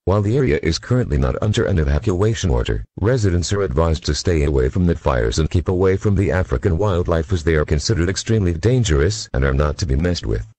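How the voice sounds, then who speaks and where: A man's voice: rumbling low, mellow, slightly rough, dry recording. A man reading a formal, impersonal scripted emergency bulletin as an alert announcer.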